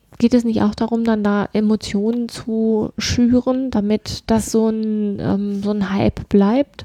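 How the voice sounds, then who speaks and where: At a very slow pace and with hardly any pauses, a woman with a fairly high pitch talks in a monotone, flat way, the sound dry and close with no echo over noticeable background noise. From Braunschweig, northern Germany. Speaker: podcast co-host. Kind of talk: casual chat.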